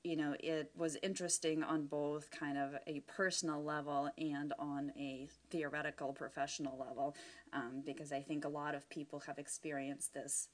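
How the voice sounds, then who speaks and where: A woman's voice: deep voice, little pitch movement, normal speed. A woman researcher explaining her work in an informal interview, discursive and often hedging as she goes. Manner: discursive, hedging with "sort of" and "you know".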